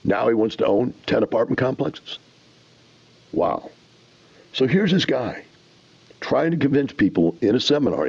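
A man's voice: lowish voice, vocal fry, a little mellow, husky, lo-fi sound. A man hosting a talk show, lecturing emphatically with rhetorical questions. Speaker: radio show host. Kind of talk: animated commentary.

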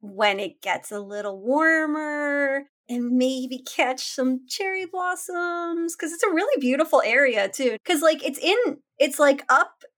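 A woman's voice: high-pitched, lively intonation, a little slow, few pauses, a bit bright. A woman co-hosting a casual chat, giving short agreements and chatty, enthusiastic remarks.

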